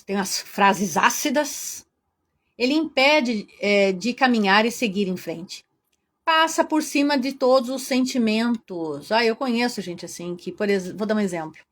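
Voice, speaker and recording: A woman with a Brazilian Portuguese accent teaching a Christian workshop lecture in a lively, chatty way, addressing her audience directly. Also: mid-range voice.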